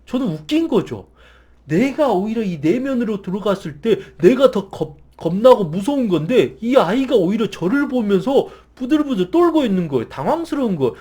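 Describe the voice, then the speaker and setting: A man, a counselor, telling an earnest, emotional personal story that swings from hushed to intense. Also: high voice, sing-song, moderate pace, breathy edge. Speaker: meditation and hypnosis counselor.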